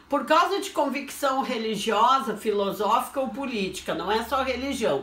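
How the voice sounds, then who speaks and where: A woman's high-pitched voice amid audible room echo and noticeable background noise. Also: moderate pace. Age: 60s. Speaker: law teacher. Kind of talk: lecture. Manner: casual, conversational.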